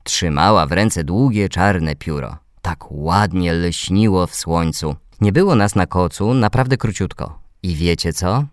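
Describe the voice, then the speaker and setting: A man narrating a children's story in a gentle, measured reading voice that speaks to young listeners. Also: sits low, no room sound, studio quality.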